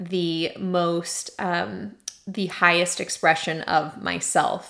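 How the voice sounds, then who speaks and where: A warm, upbeat tone in an American accent. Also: woman. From Los Angeles, US. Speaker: podcast host and self-love coach. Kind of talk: personal monologue. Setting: recording at family home. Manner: warm, upbeat, frequent laughs and filler.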